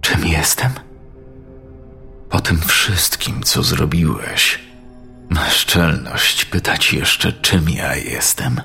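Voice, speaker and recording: A man's voice: very deep voice, bright, forceful tone, soft background music, heavily acted. A man growling as a demonic possessed girl. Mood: menacing. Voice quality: gravelly, rough demonic growl. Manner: slow, menacing, half-whispered. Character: demonic possessed girl, vengeful dead priest's spirit.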